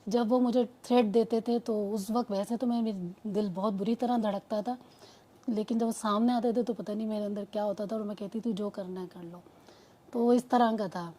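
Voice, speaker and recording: A grown woman, mother to two kids, offers an earnest testimony in a steady, dark, mid-range voice. She drifts as she talks, restarts repeatedly, and quotes others' words.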